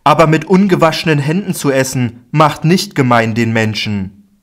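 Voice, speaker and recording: A man voicing a grave, admonishing teacher, declaiming slowly and emphatically in a Bible audiobook reading. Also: on the high side, a bit bright, voice pushed up, close to an everyday voice.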